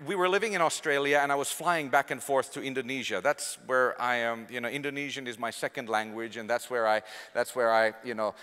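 A man's voice: medium pitch, a little fast, clean tone. A man in his thirties with a Finnish accent, preaching a conversational sermon with handheld-mic storytelling and asides to the congregation. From Finland. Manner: animated, conversational, gesturing, jokes with the congregation. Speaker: guest preacher. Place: large church stage before a congregation. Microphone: handheld microphone. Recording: long reverb of a large church hall.

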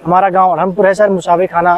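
A young man from India, a dairy farmer, talks fast and eagerly, peppering every sentence with "sir" as he pitches his feed. His voice sits high for a man. He is recorded on a lapel mic out in an open cattle shed. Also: level tone. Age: young adult. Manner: eager, repeatedly says "sir", sales-pitch tone. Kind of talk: casual on-farm interview. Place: outdoor cattle shed on a farm.

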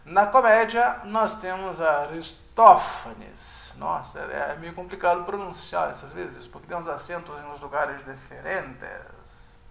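In a casual online lesson, a man with a gravelly, slightly bright, fairly high voice speaks at normal speed in a reverberant space. He's informal and hedging, thinks aloud with restarts, and keeps tagging sentences with "né?"

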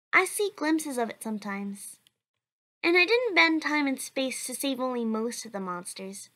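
Lady playing a sweet chatty kid, high bright voice, earnest and cheerful, cartoon dub. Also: full character voice. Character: cheerful, kind, determined young child.

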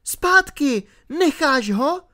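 A man's voice: very high voice, big pitch swings, fairly bright tone, voice pushed up, full character voice. A man voicing a plucky sixteen-year-old girl in an audiobook, speaking firmly and insistently. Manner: bossy, insistent girlish voice. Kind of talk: audiobook reading.

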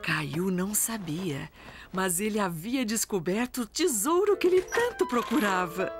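Lively Brazilian woman narrating children's stories. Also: medium pitch, measured pace. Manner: expressive storytelling. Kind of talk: scripted children's story narration. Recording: music behind the narration.

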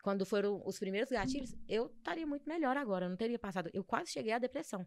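Fast-talking young woman, dry studio sound. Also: a little high, no echo. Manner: animated storytelling, acts out quoted voices. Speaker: podcast guest. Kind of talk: casual podcast conversation.

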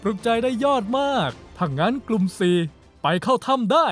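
A man's voice: sits high, normal speed, a bit bright, soft background music. An actor playing a commanding, showy male teacher of a mystic guild in a motion-comic drama. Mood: rousing, commanding.

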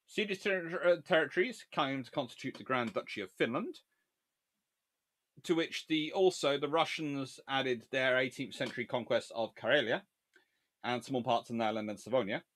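A man's voice: medium pitch, moderate pace, a bit bright. A man giving a long, digressive history lecture on a livestream, sarcastic and openly exasperated at blunders.

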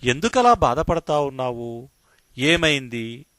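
A man's voice: medium pitch, very animated, slow pace, fairly bright tone, dry recording, studio quality, pitched above the performer's own voice. Man doing a curious little duckling. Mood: concerned. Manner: raised, sing-song storyteller voice. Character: young female duckling, curious and kind.

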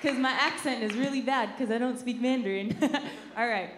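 A woman's voice: a little high, normal speed. A woman leading worship, calling out to the congregation playfully and laughing between lines. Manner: playful, laughing, calls out to the crowd. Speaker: worship leader. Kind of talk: hyping up a church crowd. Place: large church hall with stage. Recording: echoey hall with crowd noise. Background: congregation and band.

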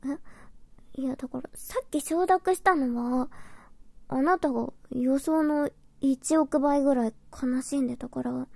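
A woman voicing a huffy tsundere girlfriend in a breathy ASMR role-play, stammering flustered denials while secretly soft. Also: high voice, a little slow, no room sound. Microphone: close, dry binaural microphone.

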